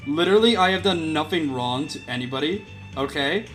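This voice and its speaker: A man's voice: a little high, lively intonation, fairly quick, a bit bright. A young man chatting casually, joking and drifting off on silly tangents. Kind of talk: casual streaming chat. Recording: guitar music clearly behind the voice.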